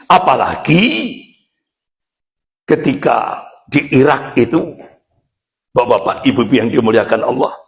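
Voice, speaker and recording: A middle-aged man from Indonesia, a Muslim preacher giving an emphatic, animated religious lecture to a congregation and addressing them directly. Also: medium pitch, measured pace, gravelly, pauses often. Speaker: Islamic preacher.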